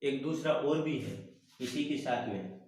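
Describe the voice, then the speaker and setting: A man teaching a Hindi grammar lesson online, slowly reciting the letters one by one. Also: mid-range voice, darkish tone. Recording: very echoey room.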